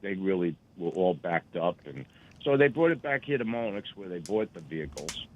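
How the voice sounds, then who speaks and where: A man calling in to a radio show who tells his story in a rambling, halting way. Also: deep voice, big pitch swings. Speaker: caller. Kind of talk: phone-in chat. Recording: tinny phone line.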